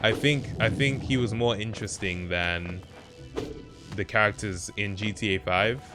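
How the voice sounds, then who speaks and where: A man's voice: on the low side, measured pace, over music. A man streaming a game with casual commentary, thinking aloud in mild slangy exclamations. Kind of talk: casual let's play commentary.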